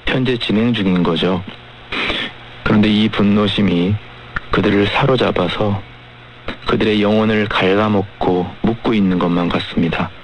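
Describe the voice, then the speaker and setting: A man in a measured radio discussion on a Christian program, heard over a shortwave broadcast. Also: on the low side, steady tone, slight background noise, rough recording.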